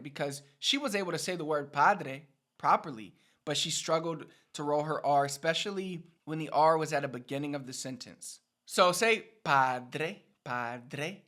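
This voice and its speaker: A man's voice: a little high, pushed and bright. A man giving a casual pronunciation lesson as a teacher, demonstrating rolled R trills and syllables between his explanations.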